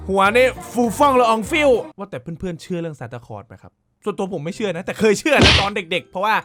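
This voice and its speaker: A man's voice: sits high, expressive, fast, loud music behind the voice. A male host casually reacting to viral clips, exclaiming often, swearing freely and laughing along.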